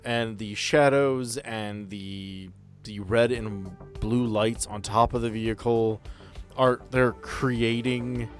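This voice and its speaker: Man, game master, tabletop narration, halting conversational delivery, faint background music. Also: medium pitch, steady tone.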